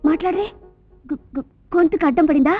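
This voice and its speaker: A woman's voice: very high voice, brisk. A young woman in a family film, speaking innocently and curiously. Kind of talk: film dialogue. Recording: tinny phone-like film audio with music.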